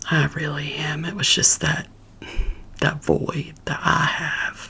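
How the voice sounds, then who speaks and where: Noticeable background noise runs beneath speech at a fairly slow pace. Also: woman. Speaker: ASMR creator. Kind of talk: ASMR roleplay, casual talk to camera. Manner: soft, chatty, friendly.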